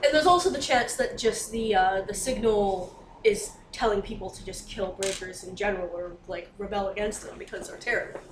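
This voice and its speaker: A woman's voice: medium pitch, a little fast. A woman playing a tabletop role-playing game, explaining things casually and a little hesitantly. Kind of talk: casual in-character game discussion. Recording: roomy, distant mic, faint noise.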